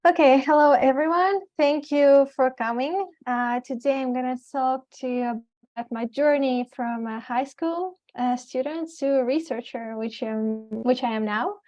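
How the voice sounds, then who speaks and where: A woman's voice: high voice, a little slow, darkish tone, lo-fi sound. A woman in her twenties from Kazakhstan, giving an earnest, enthusiastic slide talk as an alumni speaker over a video call. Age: 20s.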